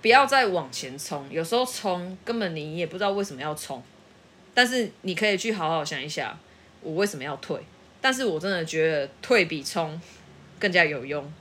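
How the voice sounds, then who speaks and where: A woman's voice: low-pitched, lively intonation, fairly quick, fairly bright tone, a little hiss or hum. A middle-aged woman chatting casually, reflective and earnest as she shares advice. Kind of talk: casual chat.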